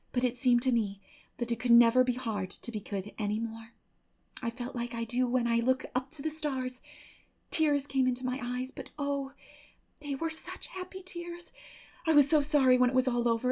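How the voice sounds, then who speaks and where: Lady doing excitable dreamy storybook orphan girl, high voice, gushing and earnest, kinda breathy drama. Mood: enraptured.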